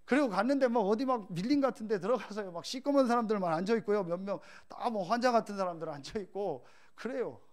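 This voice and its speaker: A male pastor delivering a sermon, telling stories and rising to loud, emphatic rhetorical questions. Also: high-pitched, fast talker, few pauses.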